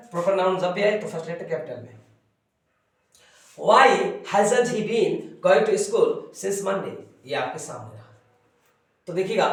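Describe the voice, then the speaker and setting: A man teaching an English grammar lesson, repeating key phrases and drilling pronunciation. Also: high-pitched. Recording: echoey room, from a distance.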